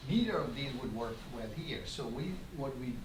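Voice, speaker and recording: A man giving an academic lecture with slides, explaining in a halting way and often repeating words. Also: mid-range voice, lively intonation. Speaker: visiting scientist giving a colloquium lecture. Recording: roomy, noisy lecture recording from far off.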